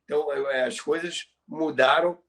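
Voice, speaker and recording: A man's voice: fairly high pitch, fairly even intonation, moderate pace, a bit bright. A man with a Brazilian accent co-hosting a conversational podcast, explaining history emphatically and repeating phrases for emphasis. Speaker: podcast co-host. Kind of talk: conversational radio history commentary.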